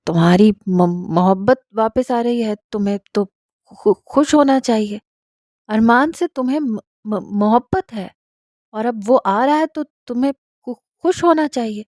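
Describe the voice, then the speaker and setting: A woman's voice: on the high side, a little mellow, dry recording, studio quality, lightly acted. Woman doing a young man who stammers. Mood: hurt. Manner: stutters on first syllables. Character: young stammering shy husband, male.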